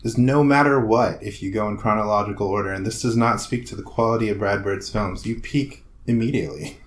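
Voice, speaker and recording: Deadpan low-voiced man. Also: brisk, reverberant. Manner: dry, deadpan jokes. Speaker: podcast co-host. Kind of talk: casual chat.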